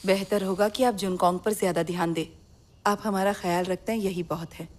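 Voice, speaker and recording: A woman dubbing a middle-aged mother who speaks softly to her husband and turns sharp when she scolds. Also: mid-range voice, steady tone, a little fast, natural voice. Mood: calm. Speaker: dubbing voice actor. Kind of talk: Hindi dub of a drama series.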